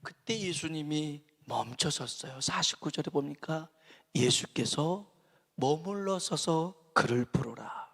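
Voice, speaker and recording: A man preaching a dramatic sermon with a high voice, rising to loud blessings and dropping to hushed asides. His voice is carried by the long reverb of a church sanctuary. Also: expressive, a little slow, slightly rough. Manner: dramatic, swings between loud exhortation and quiet asides. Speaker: pastor.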